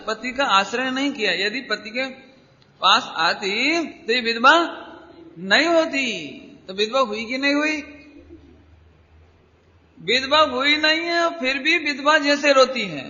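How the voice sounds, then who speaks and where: Bright-voiced male Jain preacher in a hall. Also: very high-pitched. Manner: emphatic, repeats key words, urges listeners to attend. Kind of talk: spiritual discourse with a story. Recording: dull lo-fi hall recording.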